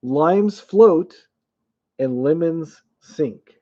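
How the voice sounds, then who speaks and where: Man, streamer quiz host, slow unhurried delivery, dull lo-fi audio. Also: on the high side, expressive, warm tone. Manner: chuckles often, reads viewer names aloud. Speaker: streamer hosting a trivia game. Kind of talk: casual live-chat quiz hosting.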